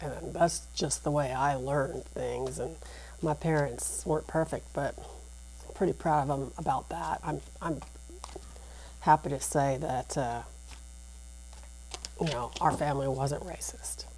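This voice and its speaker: A quiet woman's voice at a fairly slow pace, broken by long, frequent pauses. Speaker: tarot reader. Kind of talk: casual monologue. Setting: at home.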